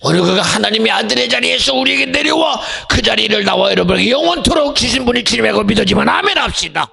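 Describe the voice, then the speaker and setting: A male pastor preaching a dramatic sermon that swings between hushed whispers and loud shouts. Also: sits high, expressive, quick pace, vocal fry, husky.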